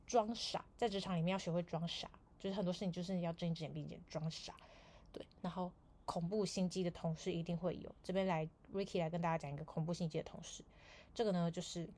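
A woman chats alone on her podcast and spins a rambling story. She talks quickly and leans on fillers and restarts as she goes. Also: lowish voice, darkish tone. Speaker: podcast host. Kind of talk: casual solo podcast chat.

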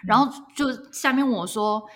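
A woman from Taiwan living abroad, co-hosting a podcast in casual, animated chat and laughing often. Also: a little high, normal speed. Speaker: podcast co-host. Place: lives in Canada.

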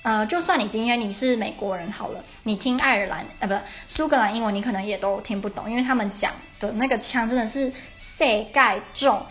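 Young woman, slightly high voice, podcast lesson host; chatty, self-correcting, with soft music underneath. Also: fairly quick, hardly any pauses. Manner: chatty, explains step by step, corrects herself mid-sentence. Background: faint traditional Irish music.

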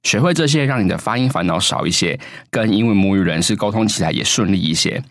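A man reading a scripted course promotion in a smooth, persuasive manner. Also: fairly low pitch, expressive, quick pace, a bit bright, no echo, clean studio sound. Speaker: ad announcer.

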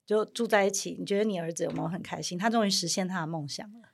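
A woman's voice: on the low side, racing, gravelly, husky. A woman hosting a podcast, asking questions, teasing her guest and laughing. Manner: asks questions, teases, laughs. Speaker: podcast host, doctor. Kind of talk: casual interview chat.

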